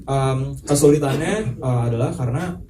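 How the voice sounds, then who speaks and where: Relaxed slangy young man, echoey hall. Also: mid-range voice, moderate pace, recorded from a distance, crowd noise. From Kalimantan. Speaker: film actor at a press conference. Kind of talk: casual chat.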